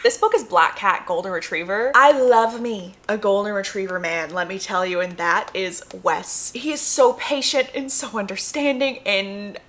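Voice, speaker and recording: A woman's voice: mid-range voice, normal speed, hardly any pauses, fairly bright tone, a little hiss or hum. A young American woman chatting casually and enthusiastically to her viewers, gushing and emphatic, repeating phrases for effect. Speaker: book reviewer vlogger.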